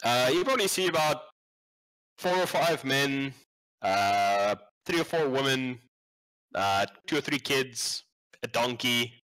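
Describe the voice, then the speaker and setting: A man in the game master's seat, his voice bright and forward at a middling pitch. He narrates casually, loose with fillers and quick asides. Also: animated, poor audio.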